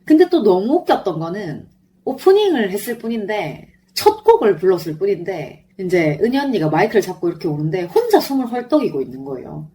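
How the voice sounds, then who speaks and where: A woman podcast host chats solo, a little fast in a mid-range voice, gushing like a fan about a concert she went to. Her throat is sore and strained from singing along, but her talk stays effusive and animated.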